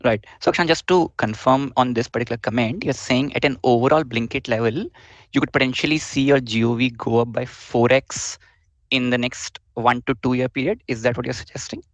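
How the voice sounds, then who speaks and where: A man's voice: medium pitch, fairly even intonation, a little fast, no echo. Polite Indian man asking questions. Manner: polite, formal. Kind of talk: earnings call questioning.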